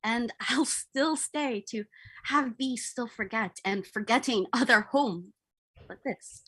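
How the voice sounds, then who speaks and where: An ardent, dreamy young male lover, played by a man, with a very high, bright voice and a slow pace. He delivers Shakespearean verse theatrically and with exaggeration, like an amateur stage reading. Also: slightly rough, no room sound, full character voice, rough recording. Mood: adoring.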